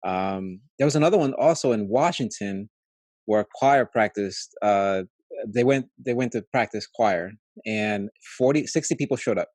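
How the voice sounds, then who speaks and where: A man's voice: fairly low pitch, darkish tone, dry recording. A man in his late thirties hosting a podcast, chatty and easygoing as he interviews a guest. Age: late 30s. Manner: chatty, easygoing, quick to laugh. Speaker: podcast host. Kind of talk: casual interview.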